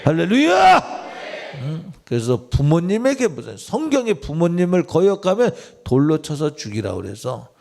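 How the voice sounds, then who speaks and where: Male pastor, sermon, gravelly voice, slightly high, chatty, quizzes the congregation. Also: big pitch swings, normal speed, hardly any pauses, mellow. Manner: conversational, quizzes listeners directly. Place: church sanctuary.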